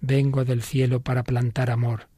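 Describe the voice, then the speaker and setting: A man reading the lines of an elderly dying philosopher, humble and pleading, in a slow, halting way. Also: medium pitch, flat delivery, mellow, breathy edge, no echo, clean studio sound, close to an everyday voice. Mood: earnest.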